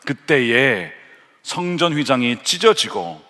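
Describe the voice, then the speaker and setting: A man's voice: medium pitch, very animated, takes it slowly, sharp tone. A male pastor preaching a sermon earnestly, with rhetorical questions to the congregation. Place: church sanctuary. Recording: long church hall reverb.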